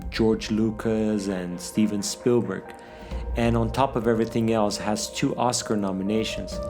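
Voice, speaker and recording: A man narrating a documentary as its filmmaker, in a measured, explanatory way. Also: lowish voice. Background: loud background music.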